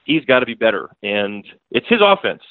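A man's voice: mid-range voice, big pitch swings, normal speed, no room sound. A man, a beat writer on the show as a guest, breaks down a football game in casual, rambling talk full of restarts and fillers, calling in by phone. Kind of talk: casual sports analysis. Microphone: phone call. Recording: tinny dry phone line.

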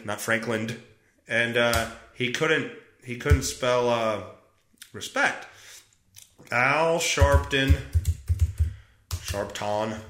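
A man's voice: mid-range voice, sharp tone, slight background noise. A man hosting a casual solo podcast, reading news aloud and reacting with sarcastic, profane, rambling commentary from a room at home. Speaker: podcast host. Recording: roomy echoey home recording.

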